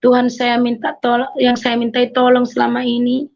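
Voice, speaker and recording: Woman from Madura, somewhat high voice, earnest testimony speaker, addresses listeners directly, dull lo-fi recording. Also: monotone, normal speed, darkish tone. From Madura, Indonesia. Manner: earnest, repeatedly addresses listeners as brothers and sisters; mixes in English phrases. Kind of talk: personal faith testimony. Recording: muffled lo-fi audio.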